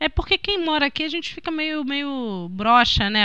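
A bright, sharp tone with very wide pitch swings over a quiet background. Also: woman. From Rio de Janeiro suburbs. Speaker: podcast co-host. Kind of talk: casual chat.

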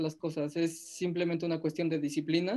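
A man with a high voice and a dark, mellow tone speaks at a moderate pace. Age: 20s. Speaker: UX/UI designer and rapper. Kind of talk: interview.

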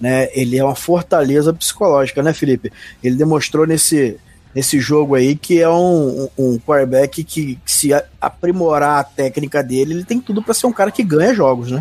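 Speaking at a moderate pace, a man keeps a fairly high pitch that varies in an ordinary way. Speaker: sports podcast host. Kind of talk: casual chat. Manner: animated.

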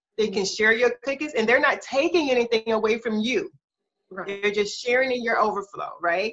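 A woman's unremarkable speaking voice with an American accent, fairly high in pitch with ordinary pitch variation, at a fairly quick pace. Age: 50s. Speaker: relationship coach. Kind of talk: casual chat.

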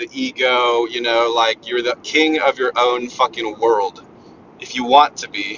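Over noticeable background noise, a man speaks at medium pitch and a very slow pace. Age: 20s. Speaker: motivational podcaster. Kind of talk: solo monologue. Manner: casual, profanity-laden rant.

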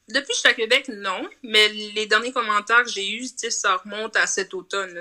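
Moving at a fairly quick pace with hardly any pauses, a woman with a fairly high pitch and a bright, sharp tone shows big swings in loudness. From New Brunswick, Canada (Acadian region near Quebec and Maine). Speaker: cook and food vlogger. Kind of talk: interview. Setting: video call.

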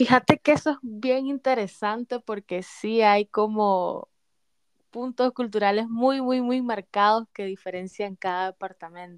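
A woman's fairly high voice at a fairly slow pace, an ordinary speaking voice with ordinary pitch variation and a dry, close sound with no echo. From Nicaragua, Managua. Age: 20s. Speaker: youth activist. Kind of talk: interview.

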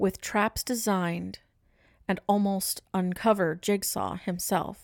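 A woman's unremarkable speaking voice at a medium pitch, fairly even in intonation, with a dry, close sound with no echo on a very clean recording with a silent background. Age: 20s. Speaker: podcast co-host. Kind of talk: casual chat; reading plot summary.

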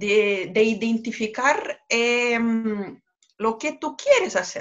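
In a Brazilian accent, a woman speaks at a very slow pace. Her high pitch moves with lively intonation. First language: Portuguese (speaking Spanish). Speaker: entrepreneur. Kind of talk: interview. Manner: halting, many fillers and repeats.

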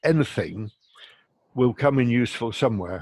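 Ordinary pitch variation and a moderate pace from an unremarkable speaking voice. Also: man. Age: 60s. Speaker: retired paramedic. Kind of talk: interview. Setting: remote call.

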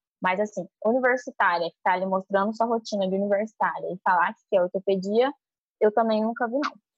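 A woman's unremarkable speaking voice, medium in pitch, with ordinary pitch variation and a fairly quick pace. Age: 20s. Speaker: medical student. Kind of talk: interview.

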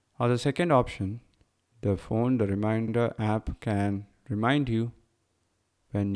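A man with an Indian accent speaks at a fairly low pitch on a very clean recording with a silent background. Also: long, frequent pauses. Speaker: podcast host, blind entrepreneur. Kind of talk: solo podcast monologue. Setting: home at night.

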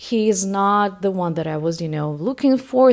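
Speaking at a moderate pace, a woman with a Russian accent uses lively intonation at a medium pitch. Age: 20s. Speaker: podcast host. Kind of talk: casual chat, solo monologue. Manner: chatty, excitable.

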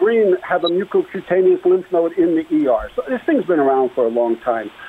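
Someone with an American accent speaks against noticeable background noise. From US Northeast. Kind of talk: radio call-in. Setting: phone call.

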